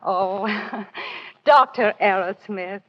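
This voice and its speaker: An actress playing a devoted young wife from a small town, warm and reassuring, in an old radio drama. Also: female voice, medium pitch, extremely slow. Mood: cheerful. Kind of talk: 1930s radio drama acting. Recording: dull old radio broadcast.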